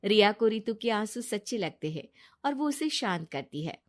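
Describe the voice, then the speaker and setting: A woman narrating a cartoon story in a plain, steady storytelling manner. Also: medium pitch, moderate pace.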